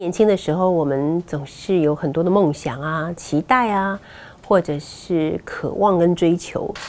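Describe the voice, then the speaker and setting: A woman's fairly low voice moves at a fairly slow speed, its pitch varying in an ordinary way. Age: 50s. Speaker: writer and teacher. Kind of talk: interview answer. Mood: calm, reflective.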